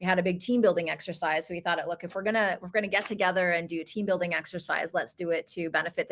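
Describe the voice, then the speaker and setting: Speaking at a very fast pace, a woman keeps a monotone, flat intonation at a fairly low pitch. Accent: slight Canadian. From Canada (Calgary, Alberta). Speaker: marketing executive. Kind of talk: podcast interview. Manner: conversational.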